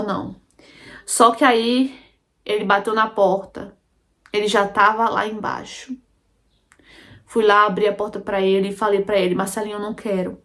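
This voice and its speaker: Woman, Brazilian Portuguese accent, fairly high voice, emotional first-person story narration, speaks straight to listeners. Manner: emotional, intense, addresses listeners as "gente".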